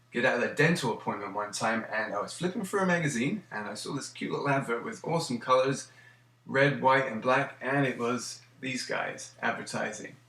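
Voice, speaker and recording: At a fairly quick pace, a man with a medium-pitched voice and lively intonation is heard with audible room echo. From southern England, Salisbury; southern England. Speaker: guitar and ukulele instructor; music teacher. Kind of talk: informal talk and demonstration. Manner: casual, with many fillers. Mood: friendly, enthusiastic. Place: home room. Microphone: camera far.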